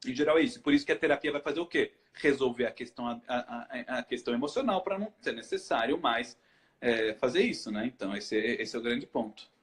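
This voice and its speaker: A man's voice: medium pitch, quick pace. A man from Brazil, a hypnotherapist hosting a casual live chat, explaining with rhetorical questions that he answers himself. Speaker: hypnotherapist host.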